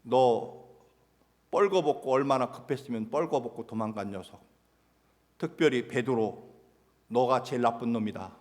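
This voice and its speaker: A man voicing Jesus as a stern male teacher scolding a disciple, loud and indignant, in a hall with long reverb. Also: on the low side, fairly even intonation, brisk, few pauses, close to an everyday voice.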